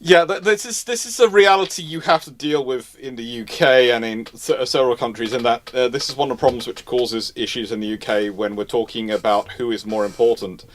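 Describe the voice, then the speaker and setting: Man, mid-pitched voice, casual live Q&A host, emphatic, repeats phrases for stress. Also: a little fast, few pauses. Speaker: host answering viewer questions. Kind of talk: casual live naval history Q&A.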